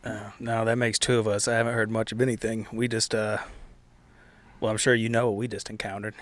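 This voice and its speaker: A man's voice: fairly low pitch, flat delivery, brisk, a bit bright. A man chatting casually and improvising as a player in a tabletop roleplaying game.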